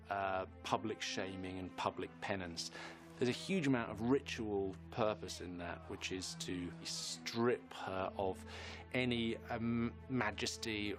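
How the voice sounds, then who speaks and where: A man explaining history emphatically, as a commentator interviewed for a documentary. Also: fairly low pitch. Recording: loud music bed behind voice.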